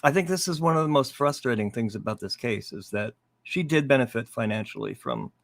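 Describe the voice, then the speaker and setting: A man's voice: mid-range voice, lively intonation, a little fast, vocal fry. A man co-hosting a true crime live show, reading out viewer comments and commenting casually.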